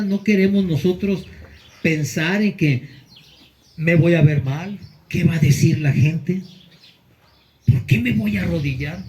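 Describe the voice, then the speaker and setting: Earnest preaching man, higher voice. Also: darkish tone, rough recording. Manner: earnest preaching with emphatic pauses. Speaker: pastor. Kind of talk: sermon.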